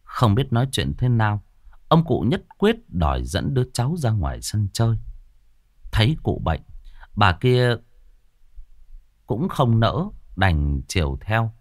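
A man's voice: on the low side, very animated, unhurried, pauses often, dry recording, clean studio sound. Man telling a ghost story in a swooping voice. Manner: dramatic, swooping delivery.

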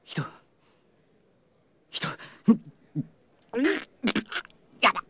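A woman voicing an earnest, nervous high school boy with a husky voice in an audio drama. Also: very slow, pushed and bright, dry recording, heavily acted. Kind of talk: Japanese anime-style audio drama acting.

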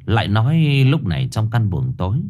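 A man narrating a horror story in an expressive, suspenseful way. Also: on the low side, normal speed, a little hiss or hum.

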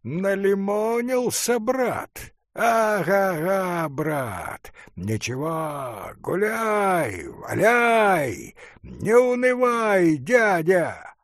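A man reading aloud voices a drunk, merry young male student who shouts heartily. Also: high-pitched, very animated, very slow, dry recording, studio quality, pitched above the performer's own voice, heavily acted. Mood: drunken glee.

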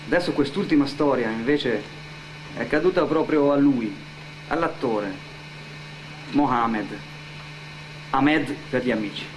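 A man with a mid-pitched voice narrates in a theatrical storytelling style, introducing a radio theatre piece. The recording carries a clear hum and noise throughout. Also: a little slow, long pauses. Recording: loud mains hum and noise.

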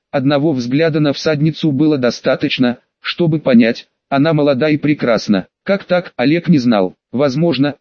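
A man reading an audiobook in an even, descriptive narrating manner. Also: on the high side, no room sound. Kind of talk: scripted narration. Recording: dull, dry.

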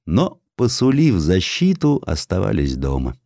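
Deep-voiced, animated male storyteller. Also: vocal fry, no room sound, studio quality. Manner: theatrical, expressive delivery with dramatic pauses. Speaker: audiobook narrator. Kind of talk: dramatized storytelling, scripted narration of a historical sketch.

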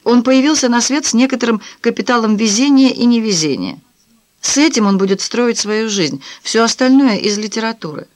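A woman's voice: fairly high pitch, expressive, brisk, no echo, pitched above the performer's own voice, close to an everyday voice. A woman voicing a cynical, self-assured married man who lectures in a glib, dismissive way in an audiobook.

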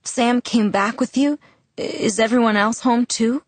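A woman reading the part of a shaken teenage girl, hoarse from near-drowning and asking anxious questions. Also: a little high, a little slow, no room sound, voice pushed up. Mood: worried.

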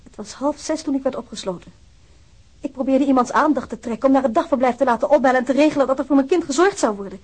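Wronged mother, husky and high-pitched. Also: a little mellow. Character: wronged, distressed mother giving written complaint about police. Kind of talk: radio drama monologue, formal testimony.

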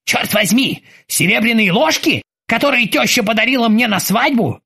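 A woman's voice: on the high side, expressive, normal speed, vocal fry, pushed and bright, husky, voice pushed up, full character voice. A woman voicing an irritable, self-pitying male ship captain who rants in exclamations. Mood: ranting. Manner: exclamatory, ranting.

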